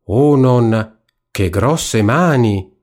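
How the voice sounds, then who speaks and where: A man voicing an innocent little girl in a red hood in a spoken storybook, high and wide-eyed. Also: expressive, very slow, a little mellow. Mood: frightened.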